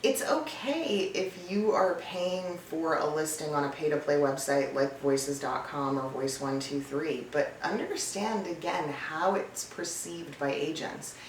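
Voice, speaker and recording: A woman with a slightly low voice gives coaching tips in a blunt, emphatic, conversational way. She sounds set back from the microphone in a clearly echoey room, with faint noise underneath. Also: measured pace, few pauses. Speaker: voice-over coach and casting professional. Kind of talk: direct-to-camera advice video, tips list. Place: indoor room with a cat nearby. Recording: roomy, distant mic, some background noise.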